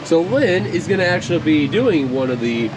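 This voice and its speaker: Animated man vlogging, fairly high voice. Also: normal speed. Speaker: vlog host. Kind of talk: casual theme park vlog. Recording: roomy sound with clear ambient noise.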